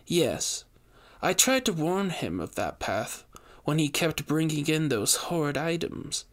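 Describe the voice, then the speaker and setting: A man's voice: on the high side, big pitch swings, measured pace, pitched above the performer's own voice. A man reading a storybook, voicing an anxious widow who pleads for help with an urgent manner.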